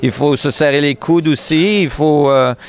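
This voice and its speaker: A man with a Canadian French accent explaining ideas as an interview guest, earnest, pausing as he searches for words. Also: a little high.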